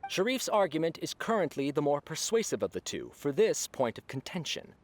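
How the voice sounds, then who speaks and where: An actor playing an impartial, coolly analytical male judge in a game, who speaks in a measured, formal way. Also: on the high side, exaggerated voice.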